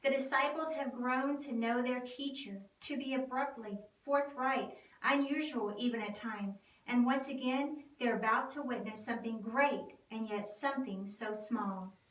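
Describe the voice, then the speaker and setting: Higher-pitched woman narrator, echoey room. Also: unhurried, hardly any pauses. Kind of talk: dramatic scripted narration. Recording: echoey room, distant mic.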